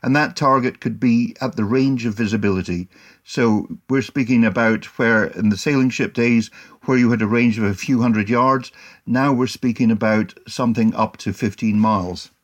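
Male historian guest, mid-pitched voice, calm steady explaining. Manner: measured, explanatory. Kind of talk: explanatory interview answers.

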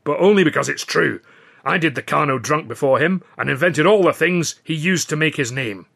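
A man's voice: on the high side, vocal fry, fairly bright tone, pitched above the performer's own voice. A man voicing a wiry, boastful Scottish comic with a Scottish accent in an audiobook. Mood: jovial. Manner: chummy, boastful, quick banter. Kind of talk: audiobook character voice.

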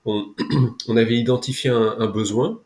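A man's voice: medium pitch, moderate pace, darkish tone. A middle-aged man from France with a French accent, talking casually as an interview guest, hesitant and repeating words as he goes. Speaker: interview guest, tech company co-founder.

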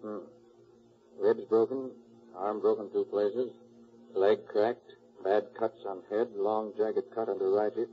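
A man's voice: on the low side, steady tone, a little slow, lightly acted. Man acting a composed 1940s radio detective, muffled recording. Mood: pensive, focused. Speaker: actor in radio drama.

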